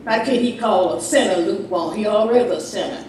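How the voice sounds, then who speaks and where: A woman's voice: mid-range voice, brisk, a little mellow, a little hiss or hum. A woman preaching a fiery sermon like a doomsday preacher, warning of judgment with emphatic repetition and rhetorical questions. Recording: very echoey room, distant microphone.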